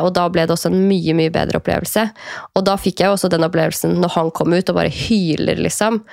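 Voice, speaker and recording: A woman in her thirties with a low voice, chatting in a relaxed, reflective way. Her voice has a gravelly edge. The recording is dry and close. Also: no echo. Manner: reflective, many fillers and quoted inner thoughts. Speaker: guest. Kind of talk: casual conversation.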